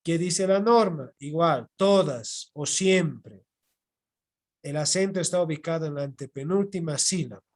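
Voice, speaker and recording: A man with a Bolivian Spanish accent teaching an online class, explaining slowly and repeating points while checking his students follow. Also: on the high side. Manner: slow, repetitive explaining with checking "¿ya?". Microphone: computer mic on video call.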